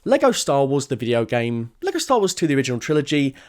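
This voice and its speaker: A man's voice: medium pitch, huge pitch swings, fast talker. A young man narrating a scripted video essay in an enthusiastic, wry, conversational way. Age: young adult. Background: background music.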